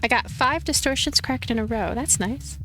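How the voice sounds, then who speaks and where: A woman's voice: high voice, moderate pace, background noise. A woman hosting a let's play, giving casual reaction commentary on a video game.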